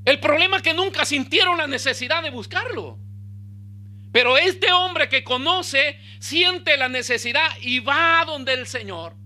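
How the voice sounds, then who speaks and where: A male pastor, preaching a sermon with bursts of emphasis and quiet low asides. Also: measured pace.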